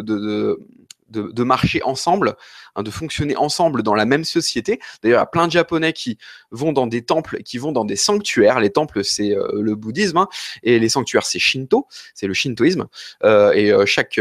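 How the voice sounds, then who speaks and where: A man's voice: medium pitch, no room sound, studio quality. A man from France hosting a live question-and-answer stream, talking in a rambling, hesitant and apologetic way while a little ill with an occasional cough. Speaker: host answering viewer questions.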